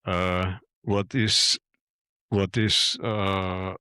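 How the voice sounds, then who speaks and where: Older Austrian man, deep-voiced, slow and halting; dry close sound. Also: flat delivery, pushed and bright, smooth, dry recording. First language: German. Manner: hesitant, halting with many fillers. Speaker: guest photographer. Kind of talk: speech to an audience.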